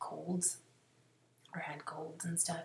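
A woman's somewhat breathy voice. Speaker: podcast host. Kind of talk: casual chat.

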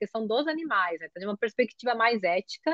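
Her pitch fairly high and swinging very widely, a woman talks at a fairly quick pace. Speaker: climate policy expert. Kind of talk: interview.

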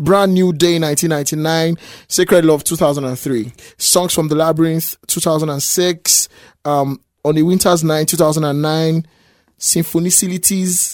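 A man with a Nigerian accent speaks at a moderate pace in a fairly high voice with fairly even intonation, on a very clean recording with a silent background. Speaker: podcast host. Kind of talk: casual podcast conversation.

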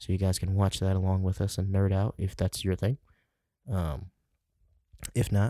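In a very clean recording with a silent background, a man talks with a very deep, low pitch, a somewhat breathy quality and a dark, mellow tone. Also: dry, close sound with no echo. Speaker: podcast host. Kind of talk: casual banter, film review podcast. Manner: casual, profane, joking.

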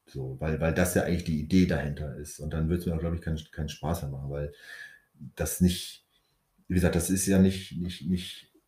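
This man's very deep, low voice has a dark, mellow tone and vocal fry. He talks at a fairly quick pace with fairly even intonation. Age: 40s. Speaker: podcast co-host. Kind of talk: casual chat. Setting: at home, kitchen table.

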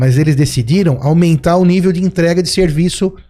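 A man's voice with a dark, mellow tone. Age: 50s. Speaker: podcast host and physician. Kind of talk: podcast interview.

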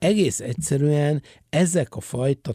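Recorded dry and close with no echo, a man with a fairly high pitch and a dark, mellow, somewhat breathy tone speaks at a very slow pace with ordinary pitch variation. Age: 60s. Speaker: theatre producer. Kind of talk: interview. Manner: halting, repeats words.

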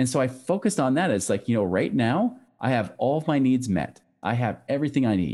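With an American accent, a man talks fairly quickly at medium pitch in a dark, mellow tone with vocal fry, lively intonation and very even loudness, captured on a very clean recording with a silent background. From US West, Oregon. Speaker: financial educator. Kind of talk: interview.

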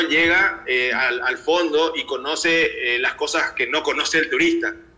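Noticeable background noise is present. A man talks at a fairly slow pace. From Paraguay, Asunción. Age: 40s. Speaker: photojournalist. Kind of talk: interview.

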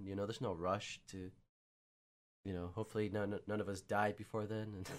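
Speaking at a moderate pace, a man uses a fairly low pitch in a monotone, flat delivery. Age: 20s. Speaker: podcast host and streamer. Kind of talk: casual chat. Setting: online call.

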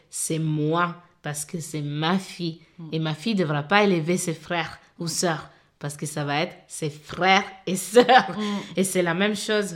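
A plain, everyday voice from a woman, fairly low in pitch and fairly slow, with big swings in loudness and ordinary pitch variation. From Italy, of Senegalese parents. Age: 30s. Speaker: podcast guest, eldest daughter and mother. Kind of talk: personal testimony interview.

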